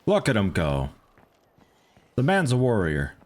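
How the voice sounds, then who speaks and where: A man's voice: on the low side, huge pitch swings, measured pace, darkish tone. A man in his thirties giving rambling, casual commentary while livestreaming a game, swearing now and then. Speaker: gaming livestreamer.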